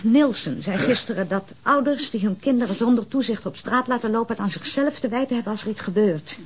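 A woman's voice: on the high side, brisk, a little hiss or hum, lightly acted. An actress playing a fussy, chiding middle-aged housewife and mother in a naturalistic radio drama. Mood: fretful.

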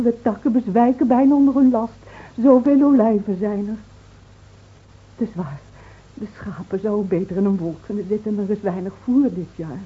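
Husky grieving village wife, tinny recording. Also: female voice, medium pitch. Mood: quiet resolve. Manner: solemn, measured, pleading. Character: grieving, devoted middle-aged village wife of a lost man. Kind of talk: Dutch radio drama acting. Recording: tinny, narrow-band old radio recording.

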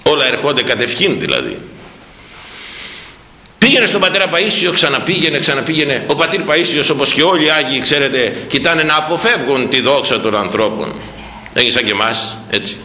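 A man, a priest, preaching a sermon as animated storytelling, asking rhetorical questions and repeating words. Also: mid-range voice, echoey room, low-quality recording. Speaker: priest, former head of a parish church.

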